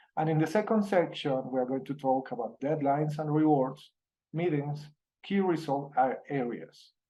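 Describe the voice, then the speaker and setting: A man's fairly high voice, dark and mellow in tone, with lively intonation and audible room echo. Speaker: university professor. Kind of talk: lecture. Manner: hesitant with frequent fillers.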